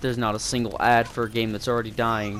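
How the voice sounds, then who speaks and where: Noticeable background noise can be heard as a man talks. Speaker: gaming YouTuber. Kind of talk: unscripted commentary monologue. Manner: hesitant, with fillers and pauses.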